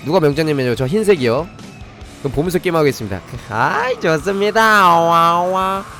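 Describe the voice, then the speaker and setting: A man's voice: a little high, lively intonation, a little fast, fairly bright tone, faint music behind. A man hosting a live game stream, explaining things step by step while chatting with viewers. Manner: demonstrates step by step while breaking off to address viewers. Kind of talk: live gaming commentary and review, chatting with viewers.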